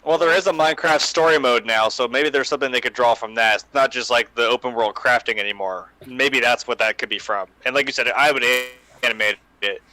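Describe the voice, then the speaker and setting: A man's voice: mid-range voice, fairly quick, few pauses, sharp tone, rough recording. A man on a discussion panel, talking casually and animatedly and swearing freely. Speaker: podcast panelist.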